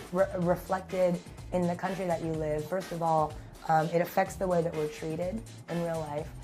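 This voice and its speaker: A woman with a New York accent speaks in a raspy, fairly low voice with flat, monotone intonation. Music plays in the background. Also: moderate pace. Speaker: actress and comedian. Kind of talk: interview answer.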